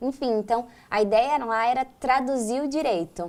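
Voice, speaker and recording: A woman's voice, fairly high in pitch. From Santa Catarina, southern Brazil. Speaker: real estate lawyer. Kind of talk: TV interview.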